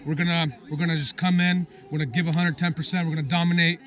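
A man's voice: fairly high pitch, little pitch movement, quick pace. A young man giving cocky, pumped-up boasts in a mock sports-star interview, outdoors. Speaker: camp participant. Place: outdoors on a grassy field. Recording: background music under the voice.

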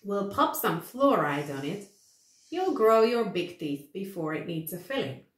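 A woman voicing a friendly, encouraging male dentist from a children's storybook, explaining things gently. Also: mid-range voice, big pitch swings, a little slow. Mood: gentle, explanatory. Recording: echoey room.

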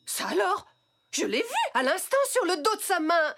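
A woman voicing a frazzled, strict mother in a French cartoon dub, exasperated and expressive. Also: very high voice, normal speed, vocal fry, heavily acted. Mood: scolding. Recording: music behind the voice.

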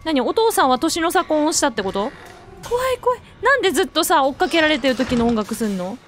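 Jittery, high-voiced woman gamer. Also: big pitch swings, brisk, slight background noise. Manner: jittery, jokey, bursts into frightened shrieks. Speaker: let's play gamer. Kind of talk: horror game commentary. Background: faint game music.

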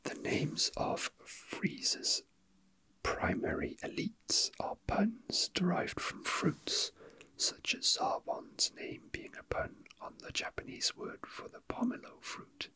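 A young man whispers in a casual ASMR style. The voice is extremely breathy, with crisp, bright edges and a slow, halting flow. He sounds like he is murmuring to a viewer while busy with his hands. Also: on the high side, no room sound. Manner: unhurried, halting murmur while handling small objects. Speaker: ASMR video host. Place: indoors at a tabletop.

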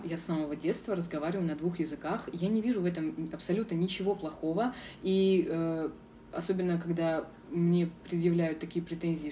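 Young woman vlogger, low mellow voice. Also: recorded from a distance, a little hiss or hum. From Russia. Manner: frank, firm, many filler sounds. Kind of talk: casual vlog Q&A. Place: outdoors in a city square.

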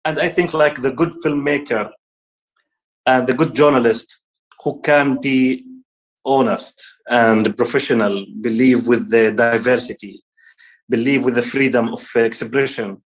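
A man in his thirties from Palestine, speaking earnestly over a video call at an online ceremony, often halting and restarting words. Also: medium pitch, steady tone, low-quality recording. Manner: gestures with hands while talking. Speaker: guest speaker.

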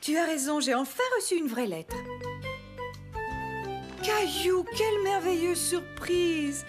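A woman playing a loving, gentle mother in a French children's cartoon, expressive and affectionate. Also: very high voice, takes it slowly, exaggerated voice. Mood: delighted. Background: background music.

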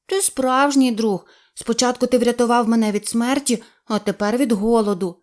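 A woman's voice: fairly high pitch, fairly even intonation, normal speed, darkish tone, natural voice. A woman voicing a thin, wet, timid little male black kitten in an audio storybook, with a plaintive mewing manner. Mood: grateful.

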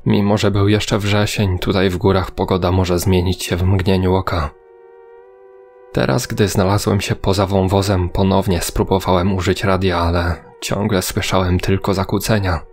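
Deep-voiced man narrating horror, gravelly edge. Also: flat delivery, moderate pace, a little mellow. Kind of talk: scripted first-person horror story narration. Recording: background music under voice.

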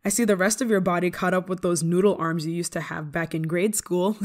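Casting: actress as proud young female singer for ASMR roleplay, slightly low voice, dismissive, flusters easily, secretly soft. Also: steady tone, fairly quick, close to an everyday voice. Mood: amused, teasing. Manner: tsundere: bragging and dismissive, flustered stammering when touched. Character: haughty young female pop star, prickly but secretly soft. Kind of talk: ASMR roleplay acting, one-sided dialogue.

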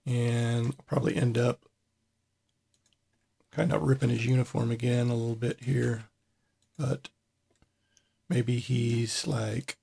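A man hosting a casual screen-recorded tutorial, his voice at an ordinary middle pitch. He thinks aloud as he works, loose and unhurried. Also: creaky, slightly rough. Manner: thinking aloud with fillers and restarts, relaxed. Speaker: software tutorial host.

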